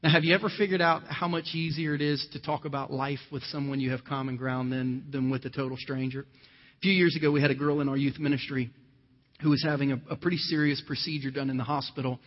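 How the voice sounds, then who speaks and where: A man's voice: mid-range voice, steady tone, quick pace. A man from Ohio preaching a sermon as pastor, mixing scripture reading with conversational personal stories. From Ohio, USA. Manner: conversational storytelling with scripture quotes. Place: church. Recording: dull lo-fi sound with long hall reverb.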